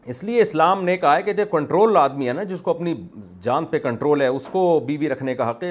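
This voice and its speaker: A man, a mufti, answering a question in a religious Q&A session, arguing his point with repeated examples and conversational asides. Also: a little high. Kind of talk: religious Q&A talk.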